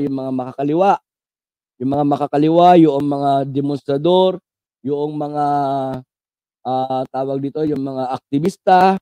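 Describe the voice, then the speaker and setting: A man's voice: a little high, dark tone, no echo. A man from the Philippines giving casual live political commentary, talking to viewers as friends with constant tag questions, sliding English phrases in, and a mocking, sarcastic edge. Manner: mixes English phrases into his talk.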